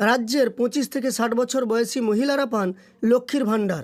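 This man's voice is pitched extremely high. His pitch varies in an ordinary way. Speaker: news video presenter. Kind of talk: news reading.

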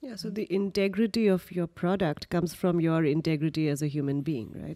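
A woman's fairly low, dark and mellow voice at a fairly quick pace, with ordinary pitch variation against a quiet background. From India. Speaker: drinks writer; podcast guest. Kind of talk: casual interview. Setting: studio. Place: studio. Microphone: studio mic.

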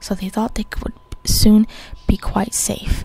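Soft-spoken speech with noticeable background noise. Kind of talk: read fairy tale.

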